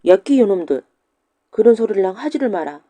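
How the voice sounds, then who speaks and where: A woman voicing a stern widowed village schoolmaster with a gruff, old-fashioned way of scolding, in a folktale audiobook. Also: lowish voice, moderate pace, dark tone, lightly acted.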